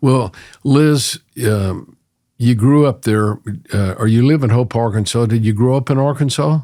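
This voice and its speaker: With a Texan accent, a man speaks at a moderate pace in a dark, mellow tone of medium pitch, with ordinary pitch variation and very even loudness, on a very clean recording with a silent background. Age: 70s. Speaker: physician and show host. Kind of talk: interview.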